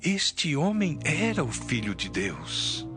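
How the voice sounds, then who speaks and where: An actor playing a solemn, awestruck Roman centurion in a dramatised audio Bible. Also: male voice, fairly high pitch, wildly swooping pitch, slow, over music, exaggerated voice. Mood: awed.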